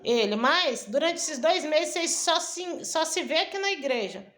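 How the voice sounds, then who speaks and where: A woman's voice: high-pitched, expressive, moderate pace, a bit bright. A woman missionary telling a personal testimony in a chatty way, stringing events together and acting out the dialogue in her own voice. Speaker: missionary and preacher.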